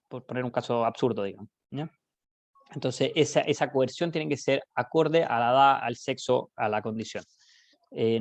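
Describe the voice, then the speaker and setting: A man with a Chilean accent giving an online law lecture, explaining with everyday examples, often pausing on "eh" and checking in with "¿ya?". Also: mid-range voice, darkish tone, dry recording, dull audio.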